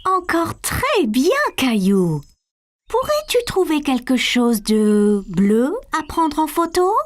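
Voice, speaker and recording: A patient, encouraging mother in a children's cartoon, her voice high and lively. She speaks slowly and gently. Soft music plays under her lines. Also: exaggerated voice. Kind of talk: dubbed cartoon acting. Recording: cartoon soundtrack with music beneath.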